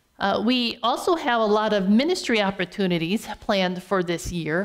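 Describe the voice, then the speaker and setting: A woman at a moderate pace, quiet background. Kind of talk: announcements. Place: church.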